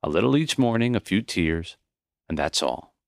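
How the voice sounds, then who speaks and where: Man voicing elderly dying male teacher, low voice, expressive, reflective, gentle, measured, audiobook dialogue. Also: gravelly, no room sound, clean studio sound, heavily acted. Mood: mournful, accepting. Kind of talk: audiobook character voice.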